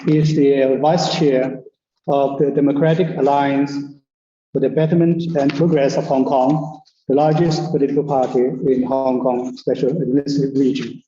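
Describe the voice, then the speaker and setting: Hesitant man moderator, dark echoey sound. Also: mid-range voice, flat delivery, normal speed. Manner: hesitant, many fillers. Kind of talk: introducing speakers. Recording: echoey muffled remote feed with hiss.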